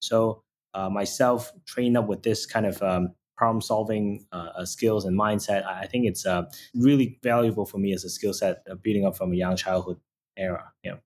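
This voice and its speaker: A man's voice: fairly low pitch, steady tone, moderate pace, a little mellow, slight background noise. Hesitant male founder from Hong Kong. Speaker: startup founder guest. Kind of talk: interview answers.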